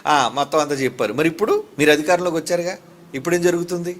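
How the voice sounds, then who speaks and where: A man's voice: on the high side, rapid-fire. A middle-aged male pastor preaching a fiery sermon, firing rhetorical questions at his congregation.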